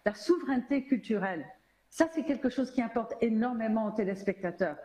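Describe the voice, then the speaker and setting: Brief: American-born woman panelist, higher voice, mellow tone, emphatic, echoey auditorium. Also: lively intonation, a little fast. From United States. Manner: emphatic, many restarts, English words mixed in. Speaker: media analyst panelist. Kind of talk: panel discussion. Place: auditorium stage.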